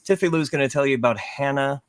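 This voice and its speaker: A man's voice: medium pitch, fast talker, a little hiss or hum. A man co-hosting a true crime live show, reading out viewer comments and commenting casually.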